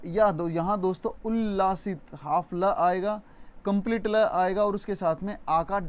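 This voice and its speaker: A young man teaching an exam-prep Hindi spelling lesson, chatty and repetitive, stretching words slowly to show stress. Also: high-pitched, a little mellow. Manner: addresses viewers as friends, conversational.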